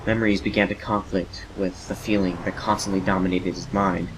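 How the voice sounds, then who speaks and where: A man narrating a scripted horror story in a measured, dramatic way, pausing between phrases. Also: low voice, level tone, noisy background. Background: music under the narration.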